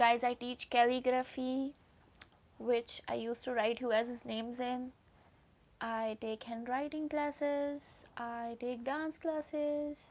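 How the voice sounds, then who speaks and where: A woman's high voice in an Indian accent, very slow in pace, with fairly even intonation. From India, Delhi. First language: Hindi. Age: 20s. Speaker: book YouTuber and teacher. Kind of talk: casual live-stream chat.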